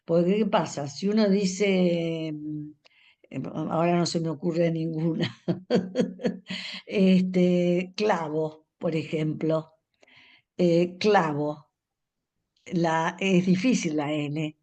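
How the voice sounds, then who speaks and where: A woman's voice: fairly low pitch, fairly even intonation, slow, pauses often, mellow. Older woman lecturing teachers. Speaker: reading education specialist speaking to teachers.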